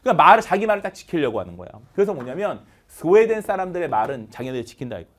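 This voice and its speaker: A man teaching English vocabulary in an online lecture, animated and leading chanted word drills. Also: fairly high pitch, racing.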